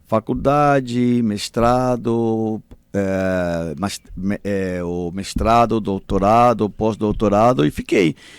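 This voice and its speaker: The dry, close sound with no echo carries a voice with a Spanish accent speaking at a very slow pace with ordinary pitch variation. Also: man. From Paraguay, Asunción. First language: Spanish and Guarani (speaking Portuguese). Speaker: professor. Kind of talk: casual chat.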